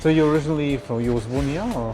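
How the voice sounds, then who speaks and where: A man's voice: on the high side, racing, over music. A man from Egypt with an Egyptian accent and native Arabic, chatting casually as a street vlogger. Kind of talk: casual street vlog chat. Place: outdoors on an urban shopping street.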